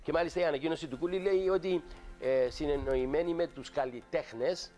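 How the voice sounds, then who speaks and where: A man's voice: on the high side, darkish tone, soft background music. An older man with a Cypriot accent, a guest actor telling an indignant, emphatic story on a talk show and acting out the dialogue.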